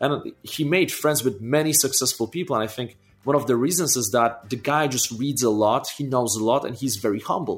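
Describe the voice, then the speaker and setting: With a Polish accent, a man talks at a fairly quick pace and medium pitch, hardly pausing at all. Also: ordinary pitch variation. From Poland. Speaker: online entrepreneur and traveler. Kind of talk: interview. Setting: remote call.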